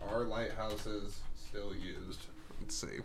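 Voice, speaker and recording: A man's voice: on the low side, fairly even intonation, slow, breathy edge. A man chatting casually as a co-host, rambling, restarting his sentences and reading things aloud from web searches. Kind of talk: casual chat.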